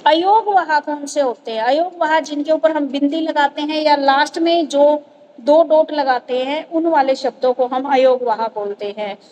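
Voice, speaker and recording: A woman's voice: high voice, moderate pace, a little mellow, lo-fi sound. A woman teacher explaining grammar to students, going over each point patiently and checking that they follow.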